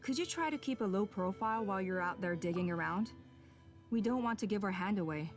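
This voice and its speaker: A woman's voice: medium pitch, lively intonation, a little fast, faint music behind, lightly acted. Woman as a cool, calculating tribal official. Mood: cool, measured. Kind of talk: video game character dialogue.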